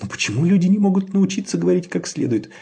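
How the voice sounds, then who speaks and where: A man's voice: high voice, sing-song, quick pace, creaky, mellow, breathy edge, pitched above the performer's own voice, full character voice. A man voicing a naive young male fox cub in a storybook, sulky and plaintive.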